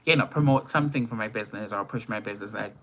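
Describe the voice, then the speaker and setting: A man with an Antiguan accent talking casually on a livestream as a makeup artist, informal and expressive, repeating phrases for emphasis. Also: on the low side, rapid-fire. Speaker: makeup artist and live streamer.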